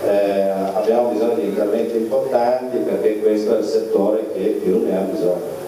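A middle-aged man answering questions at a press conference, halting with many filler sounds, in a measured way. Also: on the low side, steady tone, mellow, slight background noise. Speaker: trade fair executive at a press conference. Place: conference hall with audience. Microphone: handheld mic, heard through the room. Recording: echoey hall, voice from far off.

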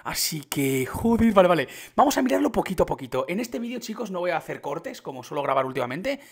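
A young man with an accent from Spain, reacting to a game update and talking it through for his viewers, keeping his voice down late at night until excitement breaks through. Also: sits high, fast talker, creaky, slightly rough. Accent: Spain Spanish. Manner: hushed and restrained, bursting into excited exclamations. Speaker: gaming youtuber.

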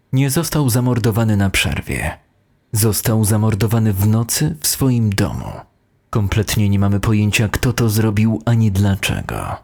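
A man voicing a sardonic, confrontational deputy headteacher in an audio horror story. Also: lowish voice. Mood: defensive. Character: sarcastic, combative male deputy headteacher.

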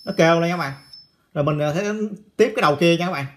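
A man's voice: on the high side, racing. A man giving a casual hands-on electronics repair tutorial, chatty and repeating phrases as he talks to viewers.

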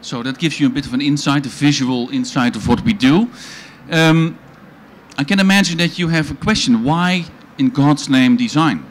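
A man's voice: a little high, normal speed, slight background noise. A middle-aged man with a Dutch accent giving a conference presentation on a pavilion stage through a handheld mic, chatty and full of ums and restarts. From Netherlands. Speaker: organization founder presenting at a panel. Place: event pavilion stage with audience.

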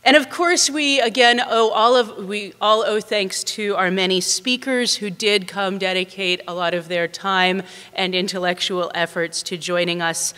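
A woman's voice: medium pitch, steady tone, a little slow, pushed and bright. A young woman hosting a lecture series, giving an earnest introduction at a podium and sometimes losing her words. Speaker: series organizer and host. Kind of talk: introduction speech. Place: large lecture room with audience. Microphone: podium mic. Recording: long hall reverb.

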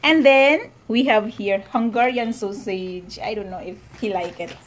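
Filipino woman cooking at home, kinda high voice, slow halting english with bits of german and filipino. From Philippines. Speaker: vlogger cooking for her husband. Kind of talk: casual home cooking vlog. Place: home kitchen.

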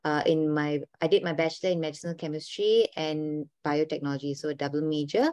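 Low-voiced Malaysian woman in her twenties, alumna guest, dry sound. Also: little pitch movement, fast talker, darkish tone, no room sound. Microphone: video call.

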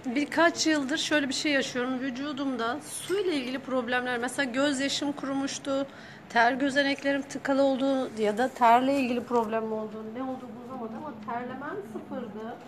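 A woman's voice: high voice, fairly even intonation, fairly quick, background noise. A woman in a seminar eagerly telling a personal story in a rush of words. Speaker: seminar participant. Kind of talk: personal testimony.

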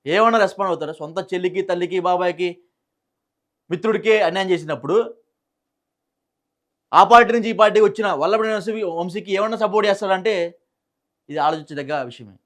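Telugu guy doing news commentary, talks really fast, high voice, lots of rhetorical questions. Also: fairly bright tone. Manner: repeats phrases for emphasis, rhetorical questions. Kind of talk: informal political news commentary.

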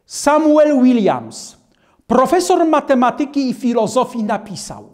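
Slow, grave older man preacher. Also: very high voice, a little mellow. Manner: measured and grave, stands reading from a book. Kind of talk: slow, solemn reading of historical accounts.

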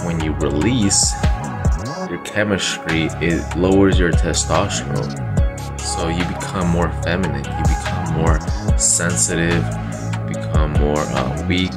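A young man in his twenties talks in a remarkably deep, low voice and takes his time over every phrase. He rambles casually, leaning on "you know" and slang, like a vlogger speaking close to his phone in a small bedroom. Loud music plays under his voice throughout. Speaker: channel host. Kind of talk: casual self-improvement vlog. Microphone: phone camera close up.

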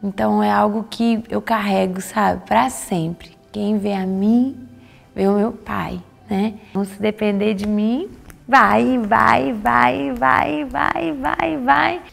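A woman's voice: mid-range voice, slow, vocal fry, big-room sound, faint music behind. A woman in a documentary interview, talking emphatically about her father. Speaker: interviewee, daughter of a pastor.

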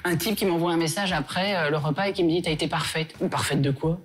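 A woman from Belgium with a Belgian French accent, a guest chatting in a lively, playful way. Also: on the low side, quick pace. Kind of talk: casual chat.

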